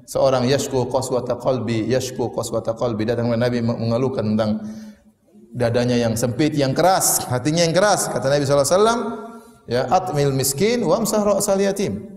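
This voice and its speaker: A man giving an animated sermon, with jokes and rising pitch when he tells stories. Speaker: Islamic preacher. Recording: echoey hall with long reverb.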